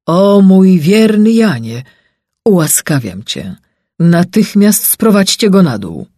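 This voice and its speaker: A man voicing a rash but loving young king, earnest and pleading, with a husky voice. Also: a little high, big pitch swings, measured pace, darkish tone, dry recording, clean studio sound, full character voice. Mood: anguished.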